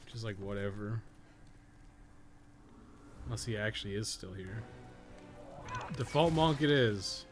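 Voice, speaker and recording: A man's voice: fairly low pitch, lively intonation, a little slow, pauses often, music in the background. A man doing casual, sweary live gameplay commentary, often muttering to himself as he plays. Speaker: game streamer, podcast host.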